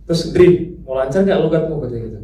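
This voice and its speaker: A man's voice: on the high side, expressive, fast, a crowd in the background. A man speaking casually at a press conference, chatty and often laughing, recorded in a large hall. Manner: chatty, laughing, mimics others' speech. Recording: echoey hall, mic far off.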